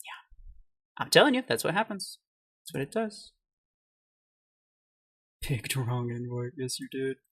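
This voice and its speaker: A male gaming streamer chatting loosely while he plays, his voice bright with a husky edge. He laughs often and keeps the banter easygoing. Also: medium pitch, sing-song, slow, long pauses. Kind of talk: casual chat while playing.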